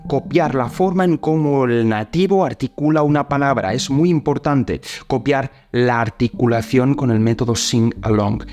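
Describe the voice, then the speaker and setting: A man's voice: mid-range voice, normal speed, few pauses, darkish tone. A man from giving practical tips for learning a language, speaking emphatically and addressing his viewers directly. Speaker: host.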